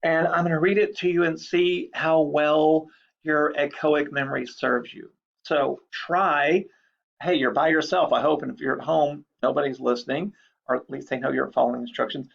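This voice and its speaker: Male lecturer, slightly high gravelly voice, casual explainer, dull lo-fi recording. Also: steady tone, moderate pace. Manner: chatty, explanatory, repeats key points.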